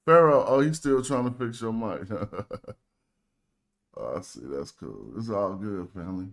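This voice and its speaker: This man's lowish voice carries lively intonation and vocal fry, and he takes his time. He's an American host and language teacher leading an online group lesson, chatting casually in African American Vernacular English with slangy, relaxed wording.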